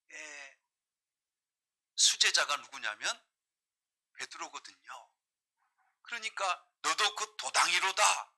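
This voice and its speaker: A man's voice: fairly high pitch, bright, forceful tone. A middle-aged man from Jeolla, a pastor preaching a sermon, reading scripture and putting emphatic rhetorical questions to his congregation. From Jeolla, South Korea.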